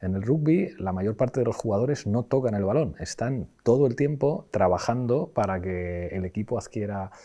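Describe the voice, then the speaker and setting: A man's voice: lowish voice, expressive, normal speed, few pauses, mellow. A man from Spain hosting an interview, asking probing questions in a casual, colloquial way. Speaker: interviewer, host. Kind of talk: conversational interview.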